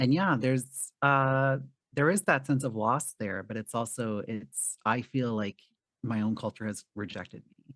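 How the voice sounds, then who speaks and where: Someone with a Canadian accent speaks at a fairly slow pace. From Canada. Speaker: podcast host. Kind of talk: casual chat.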